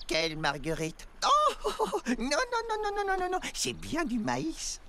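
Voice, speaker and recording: A woman's voice: high-pitched, huge pitch swings, unhurried, sharp tone, slight background noise, heavily acted. A woman voicing a kindly, fussy old elder of tiny cartoon creatures, speaking in a courtly, pondering, emphatic way for a children's dub.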